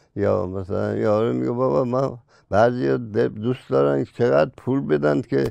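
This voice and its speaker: Against a quiet background and in a dry sound with no echo, a man with a very deep, low pitch and a dark, mellow tone talks at a fairly slow pace while his pitch swings very widely. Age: old. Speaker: actor, former firefighter. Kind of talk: interview answer. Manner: simple, unadorned. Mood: warm, amused storytelling. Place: studio. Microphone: lapel.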